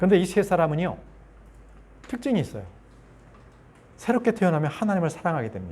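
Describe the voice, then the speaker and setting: Very fast speech broken by long, frequent pauses. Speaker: Bible study teacher. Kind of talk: Bible study lecture.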